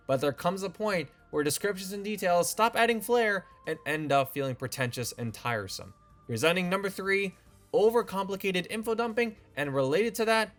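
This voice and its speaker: Lively wry young man with faint music. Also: fairly high pitch. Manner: wry, opinionated, lively delivery. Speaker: video essay host. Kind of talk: scripted commentary.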